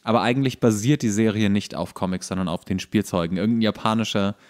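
Male podcast co-host, lowish voice, informal, detailed explainer of trivia. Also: fast, darkish tone. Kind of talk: casual chat.

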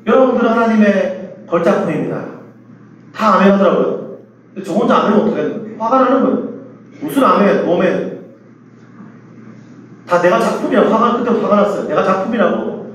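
A man's voice: high-pitched, fast, a little hiss or hum. A middle-aged male pastor preaching to a youth retreat, telling a story animatedly and mimicking the voices of others. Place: large church hall. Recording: echoey hall from far off.

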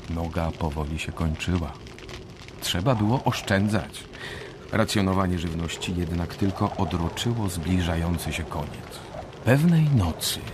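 A man narrating a macabre survival tale in a scripted radio play. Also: sits low. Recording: clearly noisy radio drama recording.

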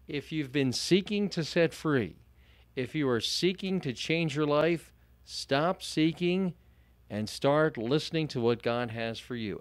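A male host opens a Christian radio show in an emphatic, preacherly way, stacking repeated phrases. His voice sits at a middle pitch. The studio sound is dry and close. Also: no room sound.

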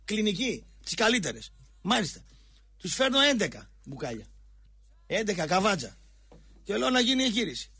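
A man co-hosting a talk radio show, telling a story loudly and acting out the lines of each person in it. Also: high voice, very animated, pauses often, breathy edge, no echo. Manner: loud storyteller, interrupts, acts out dialogue. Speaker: radio co-host. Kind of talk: heated radio banter.

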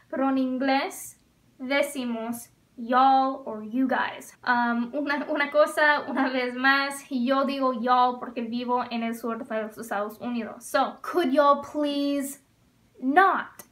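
A woman's voice: high voice, a bit bright. A woman teaching an English lesson in Spanish, explaining carefully and often checking that the listener follows while switching between the two languages. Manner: slow, careful explaining with frequent check-ins; mixes Spanish and English mid-sentence.

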